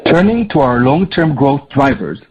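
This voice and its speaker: A man speaking as a chief executive, reading prepared earnings remarks in a formal, measured business manner. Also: mid-range voice, sing-song, a little hiss or hum. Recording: slightly dull, lo-fi conference call audio.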